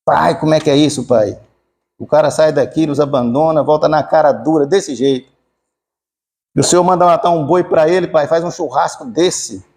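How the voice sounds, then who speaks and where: A man's voice: fairly high pitch, moderate pace, a little mellow, close to an everyday voice. A man voicing a resentful older brother who complains and questions in exasperation. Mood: indignant. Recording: echoey church hall.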